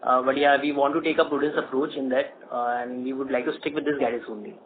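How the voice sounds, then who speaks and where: A man's voice: medium pitch, steady tone, fast. A man with an Indian accent, a company executive answering financial questions on a telephone conference call. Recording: noisy narrow phone line.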